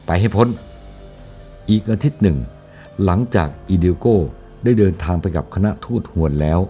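Low, dark-toned man narrating a historical novel, steady delivery. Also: brisk, soft background music. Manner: steady, even storytelling. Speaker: audiobook narrator.

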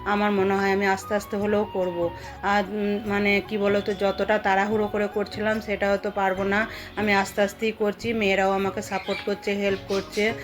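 Middle aged lady w west bengal accent doing a chatty home vlog voiceover, pretty flat pitch, music behind. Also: fairly quick. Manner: chatty, addresses viewers directly as friends. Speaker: homemaker and vlogger. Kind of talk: casual vlog voice-over narrating cooking and household routine.

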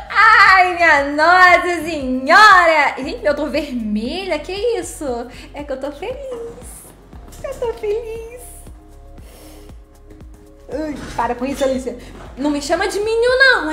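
Woman streamer, very high bright voice, playful chat with viewers, echoey room. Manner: chatty, playful, teasing viewers. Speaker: live streamer reading chat. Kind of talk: casual live-stream chat. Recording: echoey room, faint music behind.

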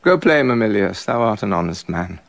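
A man's voice: fairly low pitch, animated, moderate pace, vocal fry. An actor playing a jealous, brooding king in a radio drama, muttering bitter asides and building to angry accusation. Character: jealous brooding king, middle-aged man.

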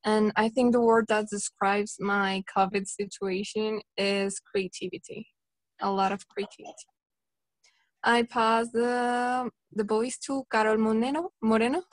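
A woman's voice: a little high, fairly even intonation, unhurried, no echo, poor audio. A woman from Durango, Mexico, introducing herself on a video call, apologetic and hesitant. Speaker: workshop participant. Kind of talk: casual self-introduction. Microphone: video call, camera off.

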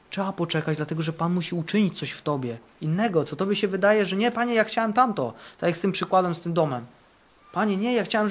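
A male camp preacher in full sermon mode, his fairly high voice rising for bold declarations and dropping for quiet, earnest passages. He drives points home by repeating key phrases. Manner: fervent, repeats phrases for emphasis, swings between loud and hushed. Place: camp meeting.

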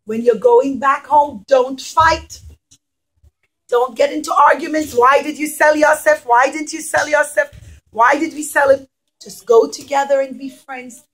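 A woman's voice: high voice, steady tone, measured pace, fairly bright tone. A woman voicing a loyal, pious king who declaims emphatically to his family, in a puppet story. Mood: urging.

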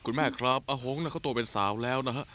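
A man's voice: medium pitch, quick pace, bright, forceful tone, a little hiss or hum, lightly acted. A man dubbing a Thai TV drama, playing a flustered young man who stammers to cover a lie.

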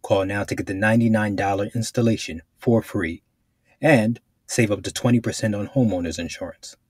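A man's voice: lowish voice, a little fast, darkish tone, breathy edge, dry recording, studio quality. A man reading commercial voice-over scripts in a polished announcer delivery. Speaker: voice-over artist.

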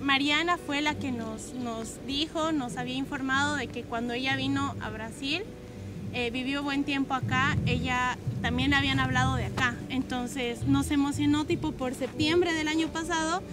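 Hesitant young woman, high voice, loud music. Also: steady tone, moderate pace. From Bolivia. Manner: hesitant, with many restarts. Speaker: camp participant. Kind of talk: testimony to camera. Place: park lawn outdoors. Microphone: far camera.

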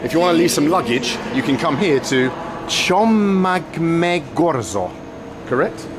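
A man's voice: on the high side, expressive, a little slow. A man in his thirties chatting with wry asides to a handheld camera at arm's length, vlogging his travels through a big train station and onto a train. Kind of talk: casual travel vlog to camera. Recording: noisy station and train ambience.

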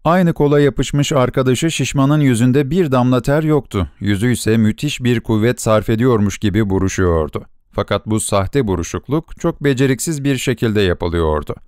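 A man narrating a short story for an audiobook in a measured storytelling delivery. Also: medium pitch, a little mellow, smooth, no room sound, studio quality. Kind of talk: scripted narration.

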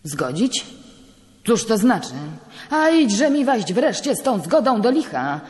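Woman playing a hot-tempered shouting judge. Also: low-pitched, lively intonation, takes it slowly, vocal fry, exaggerated voice. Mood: indignant. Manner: indignant, shouting, stamping. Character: hot-tempered middle-aged male country judge. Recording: long hall reverb, live stage.

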